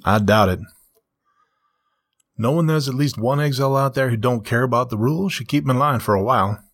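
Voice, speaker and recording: A man voicing a blunt, rough-spoken male creature elder with a folksy drawl. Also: mid-range voice, a little fast, fairly bright tone, no room sound, studio quality, voice pushed up. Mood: gruff approval.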